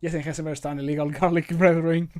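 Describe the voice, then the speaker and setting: A man's voice: fairly high pitch, level tone, fast talker. A man in his thirties chatting casually and jokily on a livestream while he works, close to the microphone, sometimes muttering to himself and swearing. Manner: jokey, muttering to himself, profane. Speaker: streamer and game modder. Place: home desk setup indoors. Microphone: close desk microphone.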